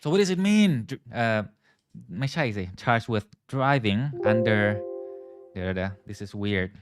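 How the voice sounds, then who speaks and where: A man's voice: on the low side, very animated, drawn-out words, over loud music. A man teaching a live online English lesson, switching between English and Thai, drilling pronunciation and greeting viewers by name.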